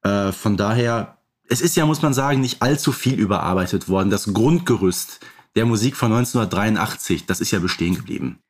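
A man's voice: fairly low pitch, fairly quick. A middle-aged man co-hosting a podcast, talking casually and explaining at length in a rambling way with frequent filler phrases. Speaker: podcast co-host. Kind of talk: casual conversational podcast talk.

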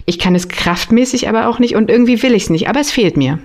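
A woman's voice: a little high, animated, quick pace, darkish tone. A woman in her thirties from Berlin co-hosting a casual podcast, talking candidly in a slangy way and correcting herself as she goes. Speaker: podcast co-host.

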